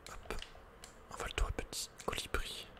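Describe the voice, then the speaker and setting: A man giving casual, slangy ASMR commentary on a video game, muttering with the odd mild swear word. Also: moderate pace. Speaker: ASMR gaming streamer.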